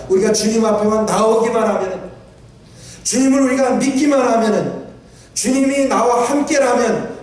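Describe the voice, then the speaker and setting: A man's voice: extremely high pitch, a little mellow. A male pastor preaching a sermon, repeating phrases for emphasis and quoting scripture. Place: church sanctuary. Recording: echoey church hall from a distant mic.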